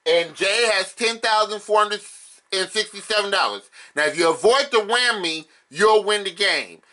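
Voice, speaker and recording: A man hosting a game show, calling out prizes and totals like a booming prize announcer. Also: moderate pace, pushed and bright. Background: game show music.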